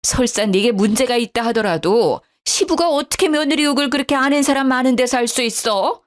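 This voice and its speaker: A woman's voice: medium pitch, big pitch swings, normal speed, dry recording, studio quality, lightly acted. A woman voicing an indignant middle-aged mother, fretful and outraged, in a storybook narration.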